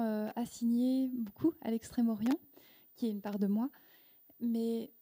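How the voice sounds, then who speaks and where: Soft, mellow-voiced woman author, thoughtful and halting. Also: fairly high pitch. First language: Korean. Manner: thoughtful, halting, with many restarts and fillers. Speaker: guest author. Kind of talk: reflective interview answers. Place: indoor event room with audience. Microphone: handheld microphone.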